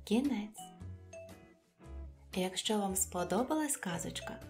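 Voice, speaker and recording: A woman's voice: mid-range voice, lively intonation, slow pace, darkish tone. A woman storyteller reading a scripted children's fairy tale expressively, with music behind her.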